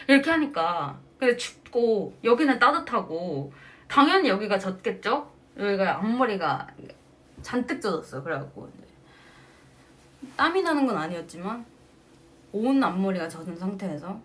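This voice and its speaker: A singer hosts a fan livestream, chatting casually with her fans and telling stories as her pitch swings widely. She laughs often between phrases and talks in an easy, animated way. Her voice comes through a phone mic.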